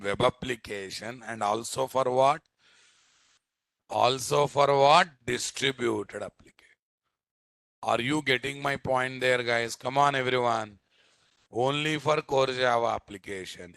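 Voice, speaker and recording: His voice is mid-range with vocal fry, a bit bright, and free of echo. The speaker is a software instructor with a Telugu Indian accent who teaches a live programming class emphatically, repeating phrases and regularly quizzing the audience with quick tag questions.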